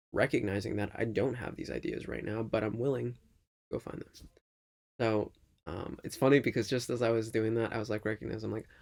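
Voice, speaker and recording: A man talking casually to his audience in a reflective, halting monologue, often checking in with a questioning tag. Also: medium pitch, creaky. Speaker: vlog host.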